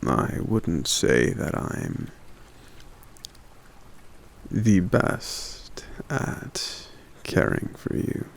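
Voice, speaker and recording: A man voicing a gentle, courteous forest giant in an ASMR roleplay, speaking softly and hesitantly with polite hums and pauses. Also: wildly swooping pitch, exaggerated voice. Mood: fond, courteous. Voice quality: very deep, gravelly.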